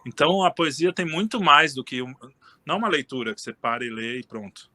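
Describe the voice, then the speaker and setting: A man's voice: a little high, brisk, no room sound. A man talking casually as a guest in an interview, rambling and restarting his sentences often. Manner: relaxed, rambling, frequent restarts and fillers. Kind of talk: casual conversation.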